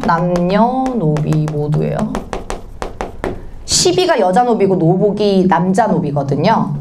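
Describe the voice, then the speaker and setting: Lively Korean literature tutor, a woman. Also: mid-range voice, slight background noise. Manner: quizzing students with quick questions and answering herself; switches between reading aloud and casual explanation. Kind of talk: lecture reading and explaining a classic novel.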